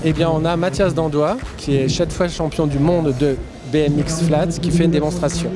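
A man's voice: fairly high pitch, steady tone, normal speed, over loud music. A man representing a stand, answering a reporter hesitantly while searching for words. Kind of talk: interview answers. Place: busy indoor exhibition hall.

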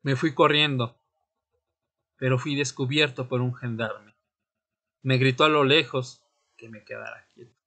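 A man playing a tormented young vampire, narrating an audio drama in the first person with solemn, deliberate, dramatic pauses. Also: mid-range voice, fairly even intonation, pushed and bright, slightly rough, heavily acted. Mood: haunted, somber. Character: Fernando, tormented newly turned male vampire recounting his death. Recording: music bed under the voice.

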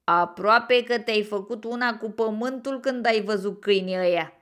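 A woman's voice: mid-range voice, pitched above the performer's own voice, lightly acted. A woman voicing a mean, teasing young male deer bully in a storybook. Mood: taunting. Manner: loud mocking taunts.

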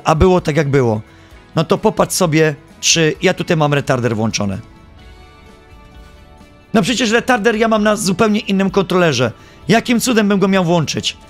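A man streaming live, giving gameplay commentary in an animated, joking and playfully exasperated way. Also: sits high, normal speed, soft background music.

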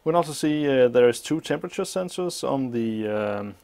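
Man, mid pitch, slightly muffled by a mask, workshop teardown walkthrough, halting with fillers. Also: lively intonation, darkish tone. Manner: thinking aloud with many filler pauses. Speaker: electronics teardown host. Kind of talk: hands-on technical walkthrough. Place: workshop bench, indoors.

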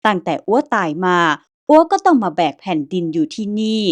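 A woman voicing the weary ghost of an old Chinese man who speaks Thai with a Chinese accent, in a high, strained voice. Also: big pitch swings, a little fast.

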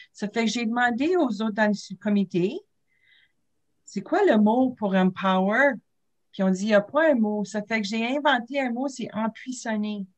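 A middle-aged woman with a Franco-Ontarian French accent telling stories on a video call. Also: fairly high pitch. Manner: storytelling, warm laughs. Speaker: panelist. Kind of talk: casual video-call discussion.

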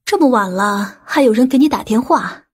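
A woman playing a confident, worldly aunt in an audiobook drama. Her voice sits fairly high with a breathy, husky grain, and she talks with matter-of-fact authority. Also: lively intonation, normal speed.

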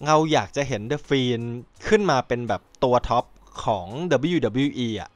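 A man hosting a podcast in casual chat, rambling and excitable, swearing freely and acting out quotes. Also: mid-range voice, normal speed, no echo. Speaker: podcast host.

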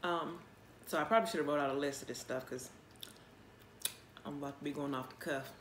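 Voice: mid-range voice, fairly even intonation, fairly quick, a bit bright. A mukbang vlogger chatting casually and off the cuff, chewing while talking with a mouth often full. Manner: talks with mouth full, chewing between phrases. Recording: roomy echo, faint background noise.

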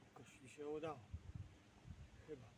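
High-voiced man in his sixties, outdoors. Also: fairly even intonation, normal speed. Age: 60s. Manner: rambling, self-deprecating muttering to himself. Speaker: fishing vlogger. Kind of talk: casual chat to camera while fishing. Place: outdoors in a boat on open water. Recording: outdoor far mic, clear background noise.

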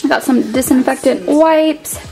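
In this rough home video with background music, a young woman at her table indoors films her grocery haul from above, point-of-view style. She speaks at a normal speed in a high voice with vocal fry. Her talk is easygoing chatter full of fillers like "like" and "um."

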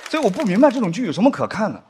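Lively young man doing stand-up comedy. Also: rapid-fire, slightly rough, some chatter behind. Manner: animated, acts out deadpan spy-drama lines in a lower voice. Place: studio stage with live audience. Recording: studio stage with audience laughter. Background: audience laughter.

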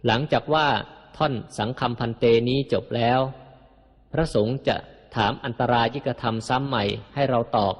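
A man calmly teaching how to chant and pronounce the ritual words, speaking in a slow, measured way and saying each example sound twice. His mid-pitched voice carries a long echo, as if recorded in a large hall. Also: lo-fi sound. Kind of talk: instructional explanation with chanted examples.

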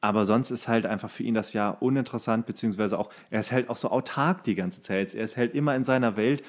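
A man hosting a podcast, chatting casually about films in a rambling, halting way, searching for words. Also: lowish voice. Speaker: podcast host. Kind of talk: casual film chat.

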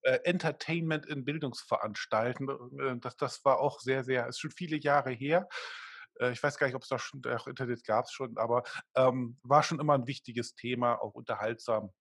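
A man's voice: mid-range voice, steady tone, moderate pace, a bit bright, no room sound, studio quality. A middle-aged man co-hosting a live podcast over a video call, chatting casually with many fillers and asking the audience for comments. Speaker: podcast co-host. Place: home office. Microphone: desk microphone on a video call.

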